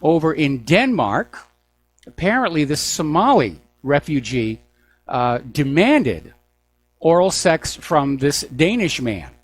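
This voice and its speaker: An older American man hosting a political news talk show, speaking in an opinionated monologue with deliberate, pause-broken phrasing. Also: on the high side, sing-song. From United States.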